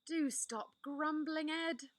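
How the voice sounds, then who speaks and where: A woman's voice: sits high, slow, dry recording, pitched above the performer's own voice. A woman voicing a prim, motherly older girl in a storybook reading.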